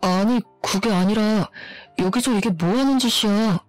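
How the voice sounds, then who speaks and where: A woman's voice: medium pitch, a little slow, no echo, soft background music, natural voice. Woman reading as a flustered cheating husband. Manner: flustered, placating. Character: flustered cheating husband, middle-aged man.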